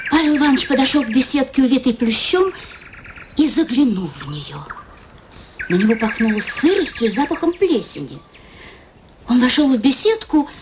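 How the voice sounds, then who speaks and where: An actress in a radio play, narrating and voicing a sly, playful wife with an expressive, theatrical manner. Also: female voice, high-pitched, slight background noise.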